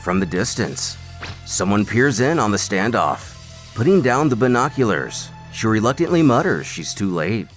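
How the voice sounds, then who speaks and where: Guy narrating a comic story, really animated delivery, mid pitch, music behind. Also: moderate pace. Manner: expressive, storytelling emphasis. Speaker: narrator of fan comic recaps. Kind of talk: dramatic scripted story narration. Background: background music.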